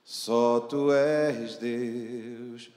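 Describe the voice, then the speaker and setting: A man singing a very slow worship song in a mellow, warm voice. The recording is roomy with a long reverb and faint music underneath. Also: mid-range voice, fairly even intonation. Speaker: worship singer.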